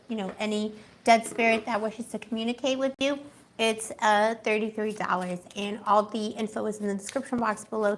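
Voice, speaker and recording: A woman's voice: a little high, a little hiss or hum. Chatty, gossipy woman reading tarot. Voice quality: gossipy, chatty, laughs often. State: losing her voice. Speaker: tarot reader. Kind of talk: casual livestream tarot reading.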